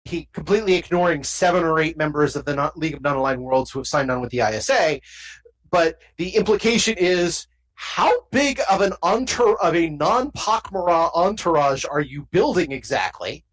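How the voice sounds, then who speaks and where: A woman narrating as game master of a tabletop role-playing game, with animated storytelling and quick asides. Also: fairly low pitch, rough recording.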